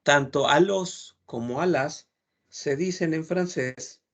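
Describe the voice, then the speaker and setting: A man teaching a French lesson, explaining patiently and repeating words slowly to model pronunciation. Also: fairly high pitch.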